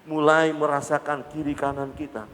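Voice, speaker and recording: Male pastor, dramatic sermon delivery, fairly high voice, long church-hall reverb. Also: level tone, normal speed. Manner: dramatic preaching, swings from loud bursts to low murmurs.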